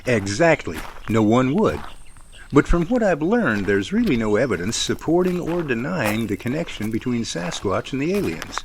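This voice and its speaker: A man's voice: mid-range voice, big pitch swings, normal speed, a little hiss or hum. Man playing a thoughtful mid-voiced friend. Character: thoughtful, cautious man chatting with his friend. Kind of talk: audio drama dialogue.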